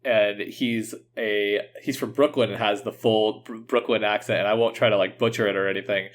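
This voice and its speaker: A man's voice: lowish voice, fairly even intonation, moderate pace. A man co-hosting a casual podcast, often hedging and correcting himself, with a joking streak. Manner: hesitant, self-correcting, joking. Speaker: podcast co-host. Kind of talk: casual chat.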